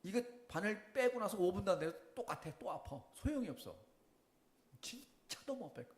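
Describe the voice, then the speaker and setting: A middle-aged man giving a sermon testimony, telling his story with lively questions to the congregation. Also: high-pitched, normal speed. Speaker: preacher. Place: church. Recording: echoey church room.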